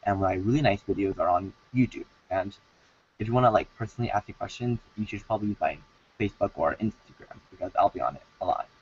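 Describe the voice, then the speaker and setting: A man chatting casually as a guest on a livestream, halting and informal, over a video call. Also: fairly low pitch, slight background noise. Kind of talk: casual chat. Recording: distant mic, dull video-call sound.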